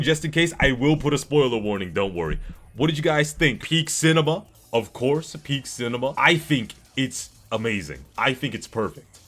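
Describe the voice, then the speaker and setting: A man's voice: medium pitch, fairly bright tone. A man talking casually as a streamer with his chat about games, in a slangy, rambling, hyped-up way with casual swearing. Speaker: streamer hosting a discussion with chat. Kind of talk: casual livestream commentary on video games.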